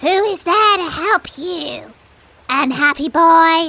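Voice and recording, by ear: In a put-on character voice, the speaker squeaks at an extremely high pitch and a fairly slow pace.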